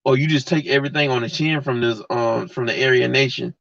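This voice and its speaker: Speaking fast in a gravelly, slightly bright voice of medium pitch, this male streamer delivers a heated, slangy, blunt rant to his viewers in chat. His tone holds steady, and there's no echo, though the lo-fi mic sounds dull.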